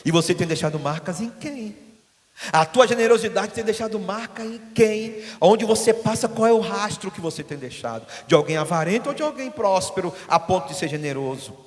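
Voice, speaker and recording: A man's voice: high-pitched, lively intonation, brisk. A man preaching a sermon as pastor in a church hall, telling stories and acting out the voices of the people in them. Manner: storytelling, acting out quoted voices. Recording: long hall reverb.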